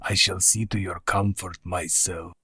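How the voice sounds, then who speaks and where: Slow, grinding, formal old vampire count in a radio play, man plays it, deep-set and rasping. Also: fairly even intonation, very noisy. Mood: hospitable. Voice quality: gravelly, husky, slow and deliberate. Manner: formal, old-fashioned, boastful speech. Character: ancient courtly male vampire count, proud and menacing.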